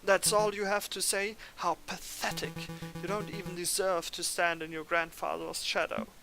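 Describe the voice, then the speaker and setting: A man plays a scornful bird noblewoman in a game. Her tone is cold and cutting, with high-set pitch and music playing loudly underneath. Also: little pitch movement, normal speed, creaky, low-quality recording. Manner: cold, contemptuous scolding. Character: stern older female bird judge, scornful.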